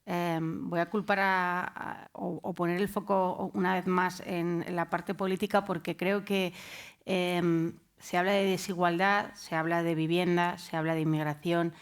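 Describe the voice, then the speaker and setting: A woman's voice: lowish voice, level tone, measured pace, clear, resonant tone. Hesitant woman panelist. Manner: hesitant, many fillers. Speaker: panelist, journalist. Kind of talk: panel discussion.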